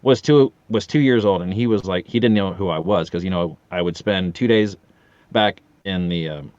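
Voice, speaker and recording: A man's voice: sits low, normal speed, darkish tone, no echo, lo-fi sound. A middle-aged man casually telling comic stories as a guest, with sardonic, self-deprecating jokes. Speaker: podcast guest, audio drama actor.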